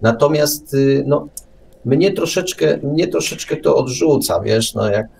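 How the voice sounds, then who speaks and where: A man's voice: mid-range voice, measured pace, vocal fry, a little mellow, slight background noise. An older man in casual radio discussion, arguing his points with irony. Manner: argumentative, ironic. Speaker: radio show speaker.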